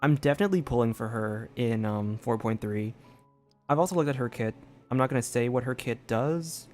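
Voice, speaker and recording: A streamer with an androgynous, mid-pitched voice comments casually on a game. The delivery is conversational and musing, with faint music in the background. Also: fairly quick, a little mellow.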